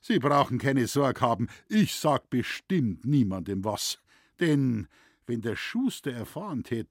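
A good-humoured forest administrator speaks in a calm, reassuring tone, as a man reads him. His voice sits lower and quieter, with a gravelly edge. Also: no echo, studio quality, heavily acted.

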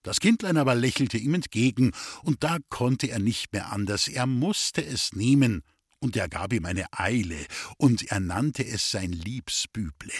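A man reading an old folk tale aloud as an audiobook, with lively, old-fashioned storytelling. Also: medium pitch, unhurried, husky, dry recording, clean studio sound. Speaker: reader.

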